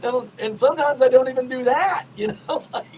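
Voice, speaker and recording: A man's voice: extremely high pitch, brisk, noisy background. A middle-aged man hosting a podcast, chatting easily and laughing often. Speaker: podcast host. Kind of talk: casual conversation.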